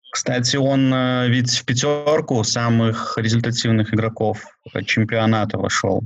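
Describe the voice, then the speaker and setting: A man speaks in a normal speaking voice at a fairly slow pace, his medium pitch carried by fairly even intonation and very even loudness. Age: 30s. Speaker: club press officer. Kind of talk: casual interview. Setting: video call.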